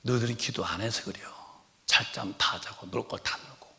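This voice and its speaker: Male pastor, gravelly and bright-edged, animated storyteller who bursts into shouts; long sanctuary reverb. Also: on the low side, fairly quick. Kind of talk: sermon. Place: church sanctuary. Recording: long church-hall reverb.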